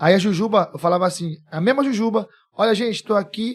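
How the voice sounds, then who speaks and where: Ordinary pitch variation from a man speaking at a moderate tempo. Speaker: entrepreneur. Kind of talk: storytelling interview.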